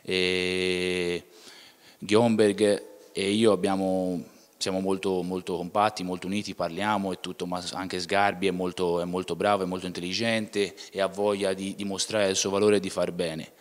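A young Tuscan footballer with a low voice gives casual interview answers into a handheld mic in an indoor club museum room, where long reverb trails behind him. He speaks plainly, often restarting phrases and using the filler "ecco."

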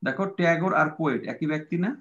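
A man's voice: a little high, rapid-fire, a bit bright. A man teaching an English grammar class, patient and repetitive, with many fillers. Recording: dull lo-fi sound.

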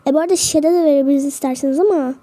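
A woman's voice: high voice, rapid-fire, warm tone, natural voice. A woman voicing a courteous female flight attendant who offers snacks with formal service phrases.

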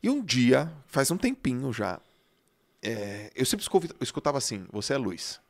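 A man hosting a podcast, telling a personal story in an animated way that swings between loud and hushed, with some casual swearing. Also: medium pitch, moderate pace, creaky. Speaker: podcast host.

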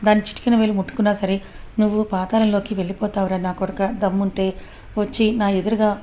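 A woman voicing an angry young husband who shouts threats over the phone, speaking in her own mellow, even voice. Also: medium pitch, quick pace, slight background noise, close to an everyday voice. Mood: furious. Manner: shouting threats, then sobbing confession. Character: angry young husband searching for his wife.

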